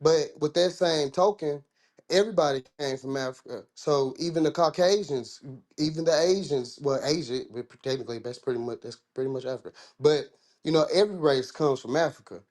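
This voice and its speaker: A man's voice: on the high side, fairly quick, a little mellow. A man from the American South with a Southern accent, talking in a casual discussion, rambling and restarting his sentences in informal speech.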